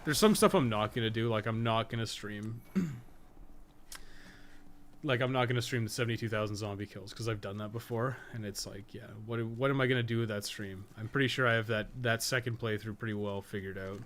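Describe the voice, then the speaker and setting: Male game streamer, lower register, loose sweary think-aloud commentary, some background noise. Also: brisk, a bit bright. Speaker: game streamer and podcast co-host. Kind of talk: casual unscripted gameplay commentary. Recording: clearly noisy background.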